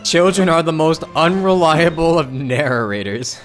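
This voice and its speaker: Low-voiced woman streaming a game. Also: measured pace, soft background music. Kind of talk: casual reaction commentary.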